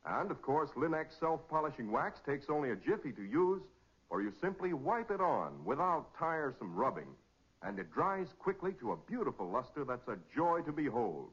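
A man's voice: a little high, big pitch swings, normal speed, slightly rough. A man with an American accent, announcing and narrating in a polished, emphatic, dramatic 1940s radio style. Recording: muffled old 1940s radio recording.

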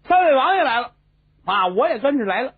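A scheming court minister pipes up high and sing-song, wheedling and needling at every turn, as a male storyteller puts him on. His voice leaps about and comes through husky and thin. The recording is tinny and phone-like. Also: big pitch swings, brisk, full character voice. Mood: mocking.

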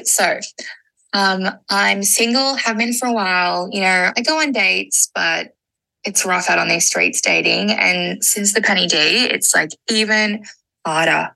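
Woman caller, gravelly and bright, kinda rambly and fed up. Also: medium pitch, poor audio. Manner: hesitant, rambling, frustrated. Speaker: listener with a dating question. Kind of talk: recorded voice message.

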